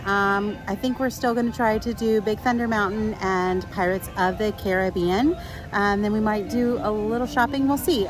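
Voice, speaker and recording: A woman's voice: fairly high pitch, poor audio. A woman chatting casually in a vlog, rambling with fillers, sometimes stuffy from allergies. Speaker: vlogger. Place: theme park, outdoors and at home.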